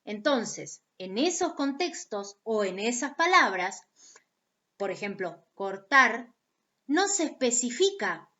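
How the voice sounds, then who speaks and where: A woman teaching a recorded lesson on phonetics, explaining slowly, repeating key points and checking in with her students. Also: on the high side, big pitch swings, a bit bright, muffled recording.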